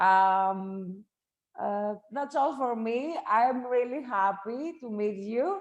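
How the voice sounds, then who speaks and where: Speaking at a very slow pace, a woman has a Greek accent. Her pitch is fairly high, and her intonation is lively. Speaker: trainer. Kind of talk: workshop wrap-up, casual closing remarks. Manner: hesitant, many fillers.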